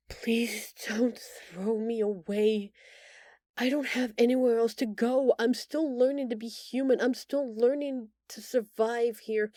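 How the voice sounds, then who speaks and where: A woman voicing a gentle, timid alien woman in an intimate audio roleplay, speaking hesitantly and earnestly, with tender halting stammers. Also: on the high side, no echo, clean studio sound. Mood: pleading, tearful. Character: gentle, timid bioluminescent alien woman, shapeshifter in human exile.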